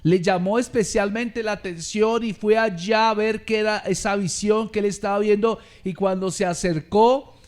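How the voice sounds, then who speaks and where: Male pastor with a high voice, preaching fervently and having the congregation repeat after him. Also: fairly even intonation, moderate pace. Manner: preaching with rising volume and call-and-response; addresses listeners as beloved brother. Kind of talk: sermon.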